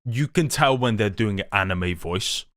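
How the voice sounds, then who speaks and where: A man's voice: fairly low pitch, animated, normal speed, a bit bright, dry recording, clean studio sound. A young man hosting a live stream, chatting casually and enthusiastically, rambling with many restarts. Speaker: livestream host.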